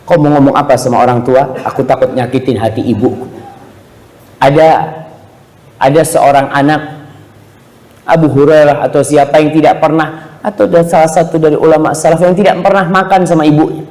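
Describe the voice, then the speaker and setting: A man preaching a sermon to a congregation in an animated way, often slipping into voices when he quotes people. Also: a little high, brisk. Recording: echoey hall with long reverb.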